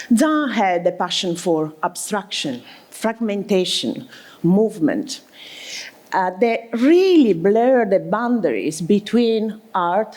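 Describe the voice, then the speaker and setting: Speaking very slowly with an Italian accent, a woman at a medium pitch moves through very wide pitch swings. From Italy. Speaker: architect. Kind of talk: keynote talk. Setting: stage with audience.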